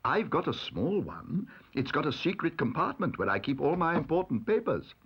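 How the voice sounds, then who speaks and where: A man's voice: on the high side, very animated, normal speed, a little hiss or hum, voice pushed up. A man doing a polite young bear, lightly raised. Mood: earnest. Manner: polite, earnest, literal-minded. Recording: dull lo-fi audio recording.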